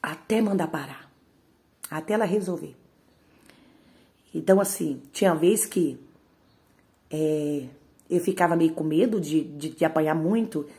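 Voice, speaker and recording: A woman's voice: low-pitched, unhurried, long pauses, mellow. A woman giving an emotional spoken testimony and speaking straight to her audience. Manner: emotional, repeatedly addresses the audience directly.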